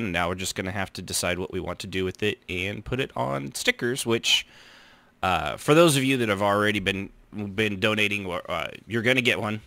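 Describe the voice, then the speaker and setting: A man's voice: fairly low pitch, sharp tone, no room sound. An American man hosting a casual podcast, bantering with joking mock insults. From United States. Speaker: podcast host. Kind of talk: casual chat show banter.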